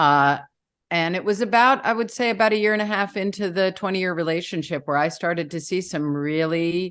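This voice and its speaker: With a plain, everyday voice, a woman talks at a fairly quick pace and medium pitch over a quiet background, her pitch varying in an ordinary way. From New York City. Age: 60s. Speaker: author. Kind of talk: interview.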